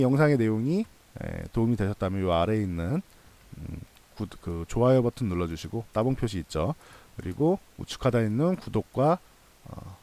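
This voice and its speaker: Lively mellow-voiced male stock commentator. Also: mid-range voice, no room sound. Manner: conversational, reassuring, repeats points for emphasis. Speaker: host of a stock analysis channel. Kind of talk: casual explanatory commentary to viewers.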